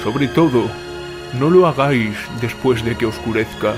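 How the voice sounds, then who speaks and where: A man playing an ominous local who warns travelers away, measured and foreboding, in an audio horror drama. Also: mid-range voice, lightly acted. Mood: ominous warning. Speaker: narrator character in an audio drama. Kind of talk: dramatic first-person storytelling. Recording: voice under loud music.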